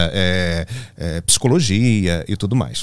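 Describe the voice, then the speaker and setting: This man speaks at a very slow pace. His intonation is lively. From Minas Gerais countryside, Brazil. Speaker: writer and theologian. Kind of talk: casual interview chat.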